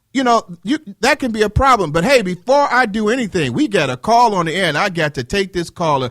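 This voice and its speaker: In a raised, projected voice, a man speaks at a fairly quick pace with a high pitch, a bright, sharp tone and very wide pitch swings. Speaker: radio talk show host. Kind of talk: call-in radio talk show. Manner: loud; animated.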